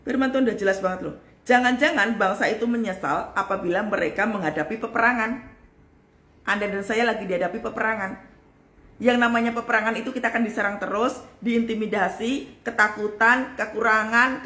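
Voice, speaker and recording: A woman pastor giving an earnest, emphatic sermon, calling her listeners "saudara" and swinging between loud exclamations and soft whispers. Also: mid-range voice, quick pace. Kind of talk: live-streamed sermon. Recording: echoey room with faint ambient noise.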